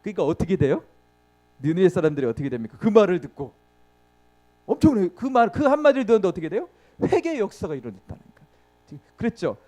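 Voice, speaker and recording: A man's voice: high voice, sing-song, fast, warm tone. A man preaching a sermon, asking the congregation questions and answering them himself, acting out the story with sound words and laughing often.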